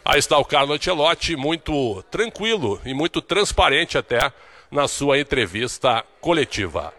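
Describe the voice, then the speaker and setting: A man giving a steady, informative sports report as correspondent for a radio show. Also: mid-range voice, moderate pace.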